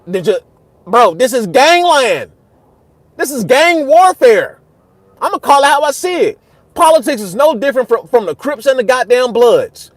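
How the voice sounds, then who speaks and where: A young man hosting a casual livestream, talking back to his chat in a heated, repetitive way that gets loud and high when he is worked up. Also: no room sound. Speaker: host.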